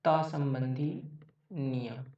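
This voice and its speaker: A man giving an exam-prep grammar lecture. He repeats each point and keeps checking in with a quick "okay". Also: mid-range voice, steady tone, darkish tone. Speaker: teacher. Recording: echoey, distant, dull mic.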